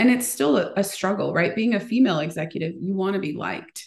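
A woman with an American accent talks at a very fast pace, her lively intonation running over vocal fry. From Texas, US (Nicaraguan family). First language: Spanish. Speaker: marketing executive. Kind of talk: podcast interview. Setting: remote call. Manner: casual, filler-heavy.

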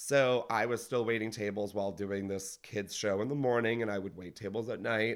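A man with a fairly low voice and an American accent talks at a moderate pace in an ordinary speaking voice, with fairly even intonation and hardly any pauses, on a very clean recording with a silent background. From Long Island, New York. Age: 30s. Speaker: fitness instructor. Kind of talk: casual chat.

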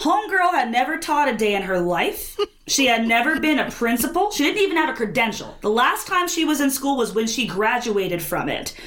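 A woman's high voice at a fairly quick pace with hardly any pauses, very wide pitch swings and very even loudness, plus noticeable background noise and audible room echo. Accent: American. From New Jersey. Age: 20s. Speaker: STEM instructional coach. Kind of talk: interview conversation.

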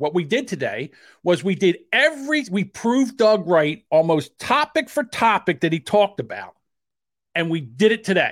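In a very clean recording with a silent background and a dry, close sound with no echo, a man with a South Jersey accent speaks at a moderate pace in a high pitch with very wide pitch swings. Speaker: podcast co-host.

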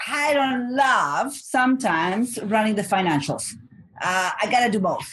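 In a Spanish accent, a woman speaks at a moderate pace with vocal fry. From Argentina. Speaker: communication coach and speaker. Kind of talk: interview.

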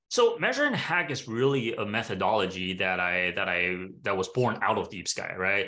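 A man with an unremarkable speaking voice talks at a moderate pace. His pitch is fairly low and his intonation lively. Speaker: financial founder, accountant. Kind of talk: interview conversation.

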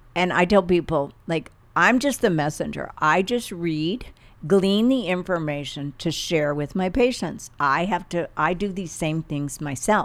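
Very clean with a silent background, the recording captures a woman with a plain, everyday voice speaking at a fairly low pitch and a fairly slow pace with lively intonation. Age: 60s. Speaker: integrative medicine doctor. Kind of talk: interview.

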